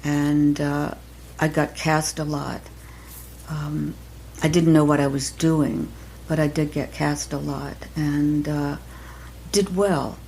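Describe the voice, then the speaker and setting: An older woman speaks in a low, gravelly voice with a faint hiss in the background. She is an acting teacher. She recalls her past softly and haltingly, pausing and restarting often. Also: flat delivery. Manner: soft-spoken, halting, many pauses and restarts. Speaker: acting teacher, podcast guest. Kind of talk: reflective interview conversation.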